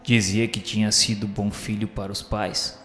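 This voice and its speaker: A man's voice: lowish voice, level tone, normal speed. A man narrating a radio drama from a script in a solemn, formal, literary manner. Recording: echoing, reverberant hall sound with music. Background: background music.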